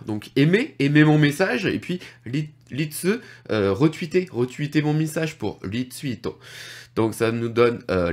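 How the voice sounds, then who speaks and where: A man with a French accent hosting a casual online lesson, chatty and jokey, with frequent fillers and asides. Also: medium pitch. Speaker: YouTube host teaching Japanese.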